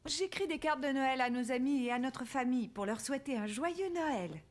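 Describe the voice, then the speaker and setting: Cartoon mother: patient, gentle, high-pitched, sing-song intonation, talks to small children. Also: animated, moderate pace.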